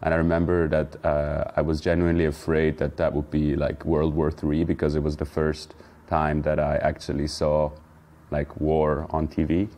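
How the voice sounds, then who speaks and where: A man's voice: extremely low pitch, completely flat delivery, moderate pace, dark tone. A young man from Switzerland, talking thoughtfully as a podcast guest, with frequent fillers and restarts. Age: young adult. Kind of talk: casual interview talk.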